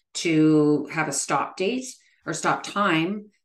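A woman with a Canadian accent speaks at a very deep, low pitch and a very slow pace, with ordinary pitch variation. Audible room echo surrounds her voice. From Canada. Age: 50s. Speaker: business coach and former clinic owner. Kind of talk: interview conversation.

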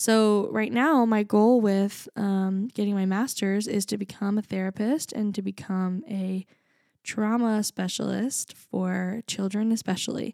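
At a fairly slow pace, a woman speaks in a dark, mellow tone at a medium pitch, her intonation fairly even. The recording is very clean and dry, close-miked with no echo and a silent background. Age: 20s. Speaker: podcast co-host, therapist in training. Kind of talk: casual chat.

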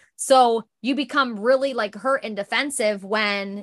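Woman's voice with ordinary pitch variation, dry and close with no echo, against a quiet background. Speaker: podcast host and business owner. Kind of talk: conversational podcast interview.

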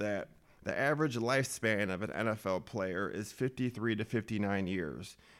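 A man speaks at a fairly quick pace in a fairly low pitch, with a plain, everyday voice. The recording is very clean, with a silent background. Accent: American. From Minnesota. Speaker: football coach and podcast host. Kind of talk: sports talk podcast, answering listener questions.

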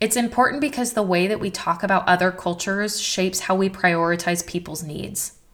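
A woman with an American accent talks at a fairly quick pace with hardly any pauses, in a plain, everyday voice with medium pitch and ordinary pitch variation. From United States. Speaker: podcast host and writer. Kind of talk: monologue commentary.

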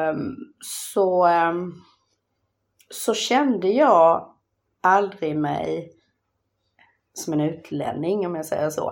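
A woman speaks in a Scanian accent. Her pace is very slow. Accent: Skåne (Scanian) Swedish. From Skåne, southern Sweden (Malmö). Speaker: host's father's partner. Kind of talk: casual chat.

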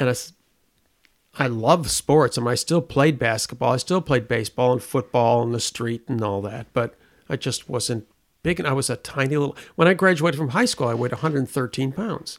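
A man talks at a fairly quick pace in a plain, everyday voice. The recording is very clean, with a silent background. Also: medium pitch for a man, ordinary pitch variation. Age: 60s. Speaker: retired runner, father-in-law. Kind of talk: casual interview, storytelling. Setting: at home in Florida.

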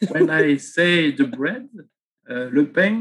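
Speaking in a Marseille accent, a man with a high, bright, sharp voice moves at a very slow pace through very wide pitch swings. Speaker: online seller. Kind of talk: interview. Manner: halting.

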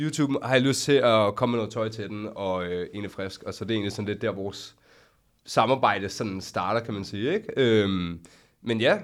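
A man's fairly low, normal speaking voice at a moderate pace with ordinary pitch variation, on a very clean recording with a silent background. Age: 20s. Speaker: personal trainer and content creator. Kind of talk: casual chat.

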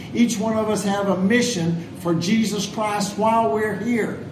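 At a moderate speed, the man talks in a high pitch while noticeable noise fills the background. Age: 70s. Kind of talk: sermon. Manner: halting.

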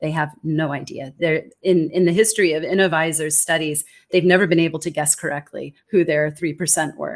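Speaking in an American accent with a very deep, low pitch, a woman moves at a fairly quick pace with hardly any pauses and fairly even intonation. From US, California. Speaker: communication trainer and author. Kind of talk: interview.

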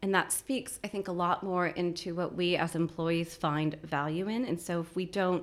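A woman with an American accent talks at a moderate pace in an ordinary speaking voice with a fairly low pitch. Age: 40s. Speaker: behavioural scientist. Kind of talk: interview.

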